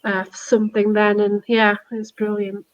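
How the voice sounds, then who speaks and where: A woman's voice: mid-range voice, monotone, normal speed, a little hiss or hum. A woman hosting a casual live chat, enthusiastic and chatty, often ending on tag questions. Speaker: host taking viewer questions. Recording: dull, lo-fi audio.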